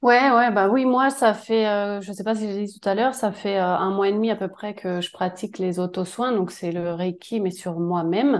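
Over a quiet background, a woman with an unremarkable speaking voice at a medium pitch speaks with ordinary pitch variation and hardly any pauses. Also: moderate pace. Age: 40s. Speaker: reiki student. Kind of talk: casual chat.

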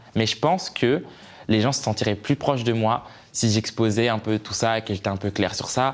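An unremarkable speaking voice from a man, medium in pitch with ordinary pitch variation, at a moderate pace. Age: 20s. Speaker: family vlogger. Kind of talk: casual interview.

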